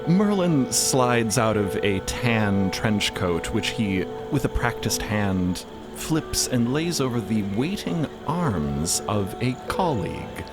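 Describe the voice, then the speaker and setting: A man's voice: fairly low pitch, big pitch swings, takes it slowly, over music. A man narrating a scripted story theatrically, with playful, dramatic emphasis.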